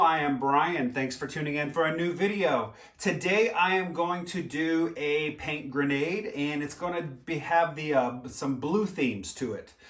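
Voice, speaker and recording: Lively intonation with hardly any pauses, amid audible room echo and noticeable background noise. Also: man. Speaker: acrylic pour artist. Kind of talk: tutorial. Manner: casual, hesitant with fillers.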